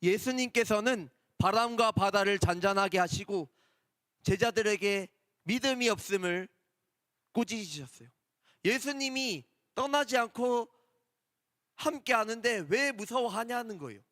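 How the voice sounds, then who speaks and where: A man with a fairly high voice gives a children's Sunday sermon in a church. He speaks gently, asks questions and repeats his key points for the young listeners. The sound is close at the source but trails a long hall reverb. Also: a little slow. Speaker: children's department preacher.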